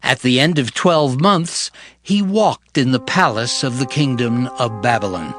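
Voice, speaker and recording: A man narrating scripture dramatically, with measured, solemn storytelling delivery. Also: medium pitch, expressive. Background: loud music.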